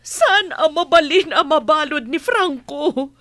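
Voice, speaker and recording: A woman's voice: high-pitched, animated, measured pace, a bit bright, dry recording. An actress playing an anxious older woman who pleads near tears for news of a jailed young man. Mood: pleading.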